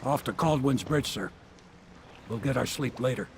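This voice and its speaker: A man playing a gravelly old boatman. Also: medium pitch, normal speed, a little hiss or hum, natural voice. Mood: gruff. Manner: folksy, gravelly. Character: old boatman, gruff and practical. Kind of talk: video game dialogue.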